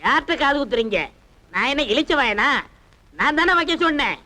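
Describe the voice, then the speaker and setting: An actor playing a nosy, talkative building caretaker who gossips and angles for money in a film. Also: male voice, very high-pitched, expressive, fairly quick, sharp tone, exaggerated voice. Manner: gossipy, cheeky.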